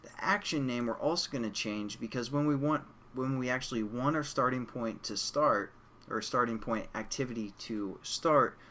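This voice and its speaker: A man of ordinary pitch hosting a laid-back coding tutorial, speaking to viewers as "you guys." His voice is a little strained from losing it. A faint steady hiss sits under the recording. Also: moderate pace. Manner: relaxed, chatty, addresses viewers as you guys. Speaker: programming tutorial host. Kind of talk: casual screencast tutorial.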